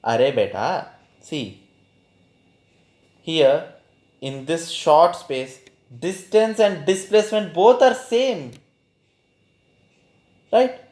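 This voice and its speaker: A man's voice: fairly high pitch, animated, very slow, pauses often, darkish tone. A man with a South Asian accent teaching informally, repeating phrases for emphasis and posing questions that he answers himself. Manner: poses student questions and answers them himself. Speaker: physics teacher. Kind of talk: informal spoken lesson. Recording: echoey room sound.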